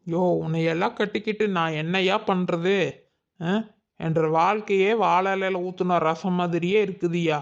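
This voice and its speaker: A man playing a teasing, sharp-tongued young village wife in a cartoon. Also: high voice, steady tone, moderate pace, gravelly, dull audio. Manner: teasing, cheeky. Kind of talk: cartoon voice acting.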